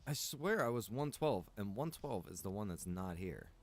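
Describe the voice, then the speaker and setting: A man thinking aloud while gaming, muttering to himself in a halting, puzzled way. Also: fairly low pitch, expressive.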